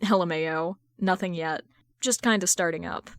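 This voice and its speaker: A woman reading out the messages of excitable online fans in a story, gushing and slangy. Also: fairly low pitch, normal speed, clear, resonant tone, no room sound, clean studio sound, close to an everyday voice. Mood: playful. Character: excitable online fans typing in a stream chat.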